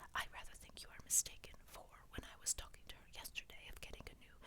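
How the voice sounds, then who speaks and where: A woman whispers at a fairly quick pace. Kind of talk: whispered audiobook-style reading of a classic novel. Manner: whispered, soft-spoken.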